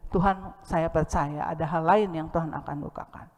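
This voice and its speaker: A woman's voice: low voice, fairly even intonation, moderate pace, a little mellow, in a large hall. A woman preacher with an Indonesian accent, giving an impassioned sermon that swells to emphatic peaks. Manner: acts out dialogue with a child.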